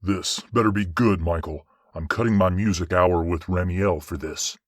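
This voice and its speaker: A man playing a huge, irritable judging archangel in an audio drama, gruff and impatient. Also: deep voice, normal speed, no room sound, clean studio sound. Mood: annoyed.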